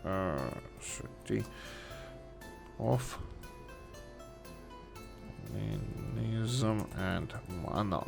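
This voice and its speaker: A man hosting a gameplay video who thinks aloud as he plays, speaking English as his third language and often pausing with fillers and restarts. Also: mid-range voice. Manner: hesitant, many fillers and restarts. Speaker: game let's-play host.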